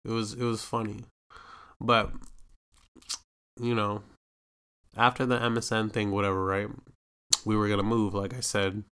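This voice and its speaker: A man's voice: lowish voice, level tone, unhurried, pauses often, a bit bright, clean tone. A young man from Canada, hosting a podcast and telling a rambling personal story, full of filler tags and swearing, acting out what people said. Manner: acts out quoted voices animatedly. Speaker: podcast host. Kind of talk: casual storytelling monologue.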